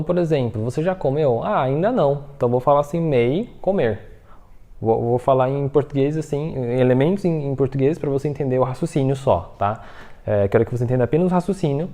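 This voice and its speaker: A man teaching a Mandarin lesson, explaining patiently, checking in with the listener often and saying example phrases slowly. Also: medium pitch, mellow. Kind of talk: online language lesson.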